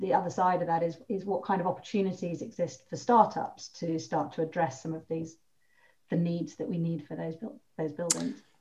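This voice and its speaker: A dark, mellow tone colors this somewhat breathy voice. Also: woman. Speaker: interviewer, sustainability director. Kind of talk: interview, webinar Q&A.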